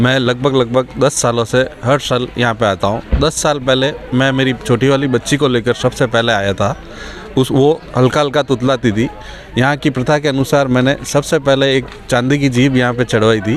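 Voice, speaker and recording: A man's medium-pitched voice moves at a moderate pace with very even loudness and fairly even intonation, against noticeable background noise. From Rajasthan, Pali. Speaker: bank employee. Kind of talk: interview.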